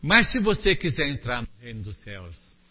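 Guy preaching, lively up-and-down voice, keeps asking the crowd questions, dull roomy sound. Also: normal speed. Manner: animated, rhetorical questions to the congregation, mimics others in a high voice. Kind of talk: sermon.

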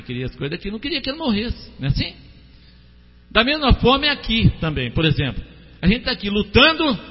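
A man preaching a sermon, with an animated delivery that swings between loud exhortation and soft prayer, calling on listeners by name. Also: high voice, breathy edge. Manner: addresses listeners by name, asks them to respond. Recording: dull, lo-fi, echoey hall recording with hum.

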